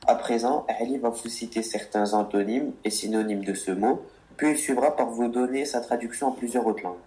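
A man's voice: mid-range voice, fairly quick, mellow. A man co-hosting a radio show about words, reading earnest explanations and answering teasing with mock exasperation. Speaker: co-host of a word radio show.

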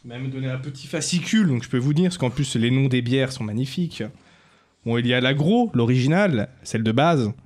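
A man's voice: medium pitch, animated, a little mellow. A man hosting a casual podcast, enthusiastically presenting beers and reading out their details. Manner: enthusiastic, quick, reads out beer label details. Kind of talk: casual chat.

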